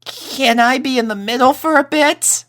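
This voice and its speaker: A man plays a young colt in a storybook tale, very high and bright in pitch and tone. He sounds like a nervous kid who gets defensive easily. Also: normal speed. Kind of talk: acted character voice in fan fiction reading.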